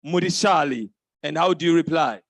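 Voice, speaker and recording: A man hosting a live event on stage, playful and quick to laugh as he teases the crowd into repeating greetings. His voice sits high for a man. The sound is dry and close, with little room echo. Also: vocal fry. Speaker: event host. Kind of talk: lively crowd interaction. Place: conference hall stage.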